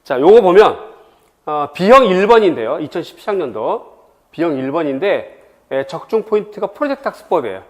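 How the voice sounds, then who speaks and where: His voice leans high and his speed is normal as this middle-aged man from Seoul runs an exam prep info session. The lecture on admissions is chatty and animated, with many personal anecdotes.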